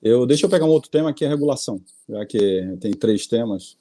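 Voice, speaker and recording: A man's voice: mid-range voice, expressive, a little fast, warm tone. A middle-aged Brazilian man on a panel, speaking hesitantly, repeating words and checking in with "tá?". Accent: Brazilian Portuguese. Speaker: investor and board adviser. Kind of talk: panel discussion, conversational.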